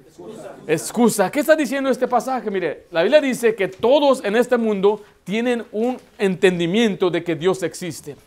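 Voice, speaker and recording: Brief: male pastor, fairly high voice, emphatic sermon delivery full of rhetorical questions. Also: expressive, moderate pace, a little mellow. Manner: emphatic, asks rhetorical questions and answers them.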